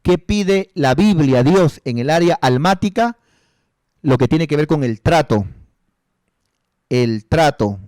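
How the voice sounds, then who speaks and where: A man's voice: fairly high pitch, expressive, slow pace, long pauses, a little mellow, no room sound, clean studio sound. A male pastor giving a counseling sermon, repeating rhetorical questions and calling his listeners brother and sister.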